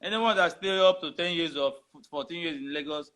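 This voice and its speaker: A man's voice: on the high side, a little fast, a bit bright, low-quality recording. A man hosting a casual live talk show, who keeps repeating his greetings and blessings. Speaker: show host.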